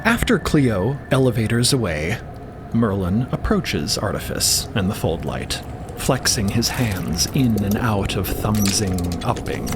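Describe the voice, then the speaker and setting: A man giving scripted narration for a fantasy audio drama, with rumbling ambience behind him. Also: a little slow, background noise. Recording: steady rumbling ambience under voice.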